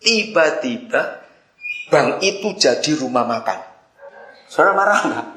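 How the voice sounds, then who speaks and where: A man preaching a sermon as pastor, telling a story with passion and swinging between loud outbursts and hushed moments. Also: on the high side, expressive, measured pace, roomy sound, poor audio.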